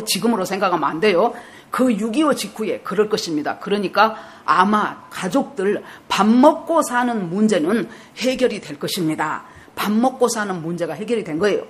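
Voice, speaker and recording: A woman pastor in her sixties with a Jeolla dialect, telling a story in a sermon and putting questions to her congregation. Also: mid-range voice. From South Jeolla, Korea. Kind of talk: sermon with personal testimony.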